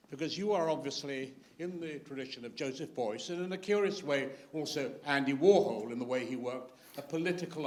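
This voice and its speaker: With audible room echo and noticeable background noise, a man speaks at a fairly quick pace with a fairly high pitch and ordinary pitch variation. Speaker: audience member asking a question. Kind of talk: audience Q&A question. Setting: public talk with audience, microphone. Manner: loud.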